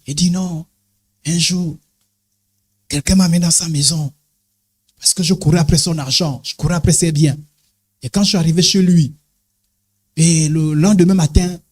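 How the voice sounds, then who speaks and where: A man preaching an animated sermon as an apostle, exclaiming and calling "amen, amen" to the congregation, swinging his pitch up and down for emphasis. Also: slightly rough. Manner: swings sharply between high and low pitch for emphasis.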